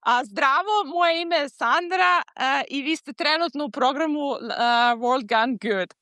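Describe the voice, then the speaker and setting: A woman's voice: high voice, measured pace. A woman from Serbia with a Serbian accent, chatting casually as a podcast guest, hesitant as she searches for words. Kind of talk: casual chat.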